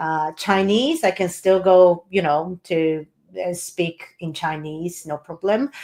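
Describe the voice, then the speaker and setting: Recorded very cleanly with a silent background, a woman speaks very slowly in a fairly low voice with ordinary pitch variation. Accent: Japanese. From Japan. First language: Japanese. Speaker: cross-cultural trainer. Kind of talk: interview. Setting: podcast.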